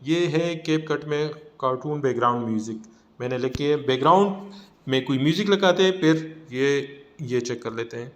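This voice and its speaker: A man with a South Asian accent gives a casual software tutorial, explaining informally step by step. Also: mid-range voice, moderate pace. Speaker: tutorial presenter. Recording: noticeable background noise.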